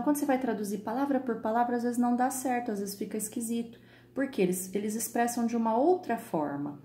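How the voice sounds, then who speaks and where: Brazilian woman teacher, mellow and patient. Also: mid-range voice. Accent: Brazilian Portuguese. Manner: patient, repeats "tá?" and "tá bom?" to check in. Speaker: English teacher. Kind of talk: recorded online class. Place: home with computer. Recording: echoey room, faint background noise.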